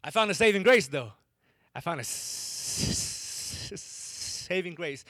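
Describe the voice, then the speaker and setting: A young man from Wisconsin shares his story before an audience, stumbling and repeating as his stutter catches him. His voice sits fairly high and sounds bright and forward. The sound is close and dry. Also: lively intonation, takes it slowly, no echo. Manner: stutters, repeats words and breaks off syllables. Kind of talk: first-person storytelling to a live audience.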